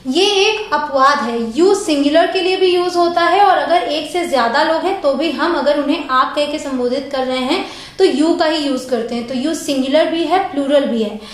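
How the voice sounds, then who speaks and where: A woman teaching an English grammar lesson. She spells out each example slowly and repeats it, often ending with a check-in phrase. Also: high voice. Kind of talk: slow, deliberate grammar lesson. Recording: very echoey room.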